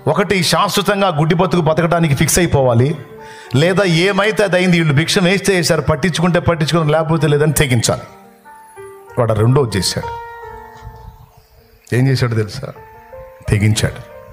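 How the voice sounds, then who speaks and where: A male preacher telling a story in a dramatic sermon, often asking his listeners questions. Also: medium pitch.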